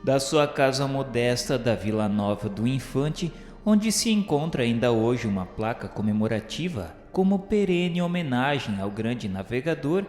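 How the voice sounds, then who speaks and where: A man with a Brazilian accent narrates a radio drama in a solemn, measured way. His medium-pitched voice carries formal, literary phrasing. It rings with heavy echo, and music plays behind him. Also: a little mellow. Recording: echoey hall-like reverb with music.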